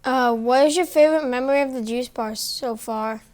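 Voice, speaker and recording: A woman asks interview questions, stumbling a little with uhs and likes. Her voice sits somewhat high. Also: moderate pace, darkish tone, clear, resonant tone.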